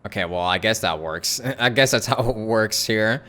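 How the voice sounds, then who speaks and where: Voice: medium pitch, moderate pace, a bit bright, a little hiss or hum. A streamer giving casual live commentary on a game, musing aloud and reading bits of dialogue. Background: faint game music.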